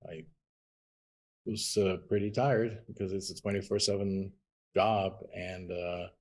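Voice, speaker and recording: A man's voice: deep voice, little pitch movement, a little slow, a little mellow. A middle-aged man from Austria, telling his story as a podcast guest in an earnest, rambling way with many ums. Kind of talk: interview conversation.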